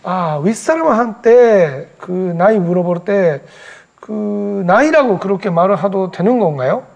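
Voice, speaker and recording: A man in his forties, a language student, speaking carefully and deliberately in class practice. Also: high-pitched, expressive, vocal fry, darkish tone, lo-fi sound. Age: 40s. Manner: careful, deliberate learner speech.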